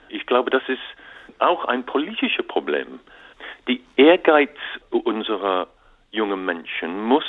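Halting man on a tinny phone line. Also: mid-range voice. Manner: halting non-native German with repeated restarts and English fillers. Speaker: author and interview guest. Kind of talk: radio interview.

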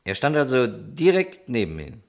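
An actor playing a police detective in a German crime radio play, questioning in a measured, polite, insistent way. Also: male voice, mid-range voice, big pitch swings, vocal fry. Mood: quietly insistent. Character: calm, probing male police detective in a crime drama.

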